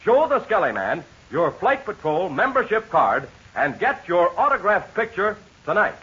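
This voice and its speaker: A man with an American accent announcing in an old 1940s radio style, pitching enthusiastically to young listeners like a salesman. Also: big pitch swings, normal speed, bright, forceful tone, husky. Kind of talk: old-time 1940s radio announcer, serial outro and ad read. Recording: dull, lo-fi vintage radio transcription.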